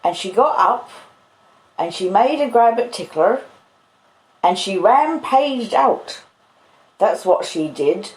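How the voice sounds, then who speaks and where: Woman acting out big childlike country blacksmith, drawn-out confiding delivery, lively swooping pitch, storybook character, echoey room. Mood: grave. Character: gentle, simple-hearted country blacksmith, a big childlike man.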